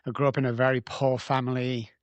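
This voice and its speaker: Fast-talking and fairly flat in pitch, this sixty-something guest from Manchester, England, speaks with a northern accent and a mid-range voice. His casual podcast chat is blunt, cocky and full of jokes, with no echo on the recording.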